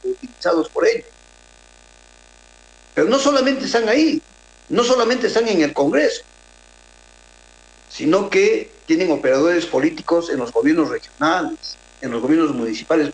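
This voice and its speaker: Peruvian guy on a radio call, bit high voice, slow and hesitant, lots of ums, roomy echo. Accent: Peruvian Spanish. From southern Peru. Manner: measured, hesitant, many filler pauses and restarts. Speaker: guest. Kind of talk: radio interview, political analysis.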